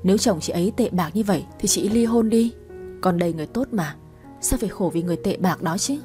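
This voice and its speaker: A woman's voice: on the low side, fast talker, warm tone, faint music behind, close to an everyday voice. A woman voicing a young, friendly male manager who keeps insisting on being friends, in an audiobook story. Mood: sympathetic.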